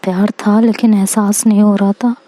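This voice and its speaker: A woman's voice: medium pitch, flat delivery, moderate pace, mellow, low-quality recording. A woman narrating a first-person story in a chatty, playful and dramatic manner.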